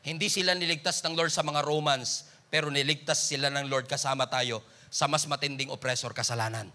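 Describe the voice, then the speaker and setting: Bright-voiced Filipino pastor preaching. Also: male voice, mid-range voice, fairly even intonation, brisk. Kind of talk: sermon.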